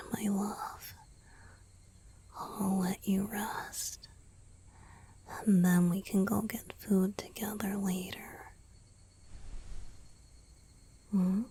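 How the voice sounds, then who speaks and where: A woman voicing a tender, devoted young male vampire boyfriend in a soft, breathy whisper for a romantic ASMR roleplay. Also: mid-range voice, slight background noise. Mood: caring, soothing. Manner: slow, gentle, devoted, lingering pauses.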